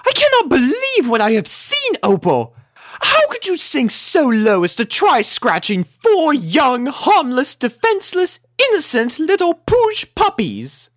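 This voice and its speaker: High swooping pitch, fussy cartoon lady unicorn, theatrical, scolding, dry close sound. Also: huge pitch swings, a little slow, dry recording, exaggerated voice. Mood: stern, indignant. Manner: theatrical, indignant. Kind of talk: cartoon fan fiction character voice.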